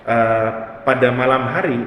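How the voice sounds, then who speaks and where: A man's voice: medium pitch, fairly bright tone, a little hiss or hum. Man explaining thoughtfully in a reverberant room. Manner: thoughtful, many pauses and fillers. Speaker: company CEO, interview guest. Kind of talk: explanatory casual chat. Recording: reverberant room, distant mic, faint ambience.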